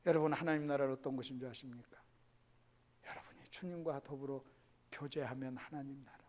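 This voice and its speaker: A fast-talking male pastor preaches a sermon with a medium-pitched, steady tone. He speaks emphatically, keeps calling out to the congregation, and occasionally drops to a hushed whisper.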